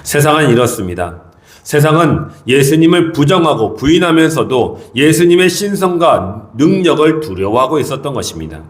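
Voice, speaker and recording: Male pastor, middle-aged, expository sermon, animated rising-and-falling delivery, earnest repetition. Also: on the high side, moderate pace. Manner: earnest, expository preaching with repeated emphasis. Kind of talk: early morning sermon.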